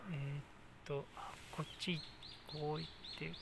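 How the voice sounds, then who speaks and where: A man talks over noticeable background noise in a dry sound with no echo. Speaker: solo traveller vlogger. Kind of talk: casual vlog chat. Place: street. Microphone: phone near.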